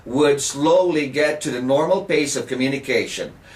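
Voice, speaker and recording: A man speaks at a fairly slow pace with ordinary pitch variation, and noticeable background noise is present. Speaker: English teacher. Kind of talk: tutorial. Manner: slow, deliberate.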